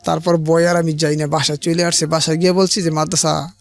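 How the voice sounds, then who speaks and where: Gravelly, higher-voiced male guest, hesitant. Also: level tone, brisk. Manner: hesitant, restarts, plain colloquial speech. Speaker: guest telling his life story. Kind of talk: halting personal storytelling.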